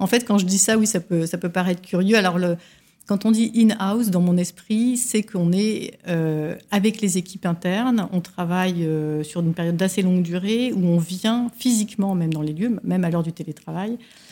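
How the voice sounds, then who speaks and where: Dark, mellow tone, moderate pace, and ordinary pitch variation. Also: woman, medium pitch for a woman. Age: 50s. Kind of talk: interview. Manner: halting, frequent repetitions.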